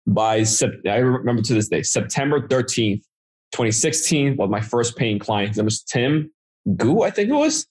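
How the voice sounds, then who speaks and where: Lively in intonation and a little mellow and husky, this man's medium-pitched voice moves at a normal speed. He is a Dominican marketing entrepreneur and native Spanish speaker, casually recounting his story with a Dominican accent as a podcast guest.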